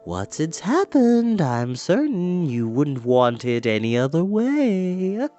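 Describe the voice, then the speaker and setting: A cheery, scatterbrained enchantress from a storybook, sweetly indulgent as she threatens, her voice leaping up and down in a lively sing-song, as a reader puts her on. Soft music plays underneath. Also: mid-range voice, takes it slowly, muffled recording, voice pushed up. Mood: cheerily menacing. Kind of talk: audiobook reading.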